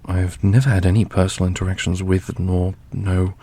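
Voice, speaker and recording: A man voicing a weary veteran captain, centuries old, with a measured, dryly bantering manner in a fantasy roleplay. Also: low-pitched, little pitch movement, mellow, slightly rough. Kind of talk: ASMR fantasy audio roleplay.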